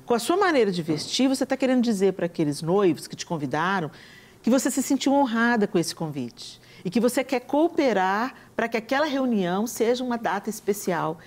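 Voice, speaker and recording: A woman's voice: fairly high pitch, a little fast. A Brazilian woman on a talk show, speaking earnestly and quoting scripture as she tells stories. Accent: Brazilian Portuguese. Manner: earnest, quotes scripture, animated storytelling. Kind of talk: conversational preaching.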